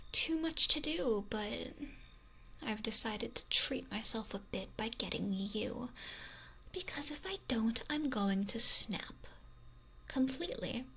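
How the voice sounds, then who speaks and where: A woman playing a possessive, wealthy mafia boss in an intimate ASMR roleplay, breathy and often whispery, with a slow, softly threatening manner. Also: fairly high pitch, exaggerated voice. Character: possessive, domineering wealthy female mafia boss, lonely, menacing. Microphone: close binaural ASMR microphone.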